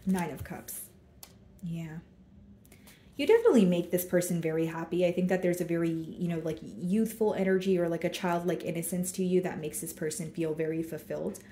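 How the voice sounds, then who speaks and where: A woman giving a casual tarot reading, chatty and relaxed, talking through the cards as she draws them. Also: lowish voice, brisk, roomy sound. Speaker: tarot reader.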